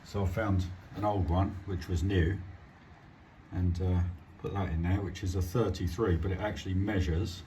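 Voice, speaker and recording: Low-voiced man over clear background noise. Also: fairly even intonation, moderate pace, warm tone. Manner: hesitant, understated, thinking aloud while working. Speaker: hobbyist presenting a radio repair. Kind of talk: casual hands-on demonstration commentary. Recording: clearly noisy home recording with clicks.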